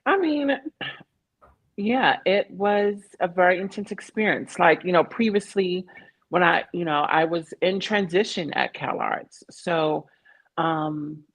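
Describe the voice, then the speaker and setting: A woman, a guest opera singer telling her story in an animated, reflective way and laughing often. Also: lowish voice, slow pace. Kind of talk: conversational interview.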